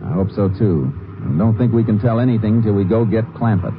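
An actor playing a calm, businesslike Texas Ranger in a 1950s western radio drama, measured and polite in manner. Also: male voice, fairly low pitch, heavy background noise, natural voice. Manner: measured, matter-of-fact, polite. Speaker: lead actor and narrator. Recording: tinny vintage radio broadcast with music.

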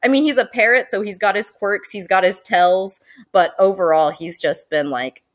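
Animated woman zoo educator. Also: medium pitch. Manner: animated, laughing, with quick excited quoted asides. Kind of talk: casual interview chat.

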